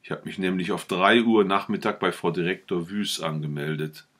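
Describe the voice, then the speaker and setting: A man's voice: low-pitched, moderate pace, fairly bright tone, husky. A man reading aloud the lines of a passionate, touchy young idealist in a novel, speaking fervently. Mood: fervent, indignant. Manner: fervent, indignant.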